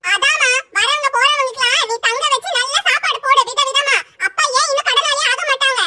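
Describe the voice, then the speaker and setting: A woman's voice: very high-pitched, fairly quick. A woman voicing a blunt, sarcastic young woman who taunts her relatives. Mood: taunting. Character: sharp-tongued young woman, cousin Aishu. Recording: loud background noise.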